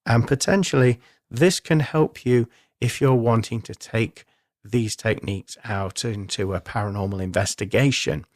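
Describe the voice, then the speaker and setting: A man's voice: lowish voice, moderate pace, no room sound, studio quality. A man hosting a spiritual talk, explaining techniques in an earnest, reassuring, instructional way. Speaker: spiritual medium and radio host.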